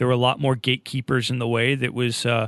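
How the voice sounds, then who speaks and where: The sound is dry and close with no echo, against a quiet background. A man is speaking. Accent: Western New York. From Western New York (Rochester area). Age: 30s. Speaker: podcast host. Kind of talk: casual chat.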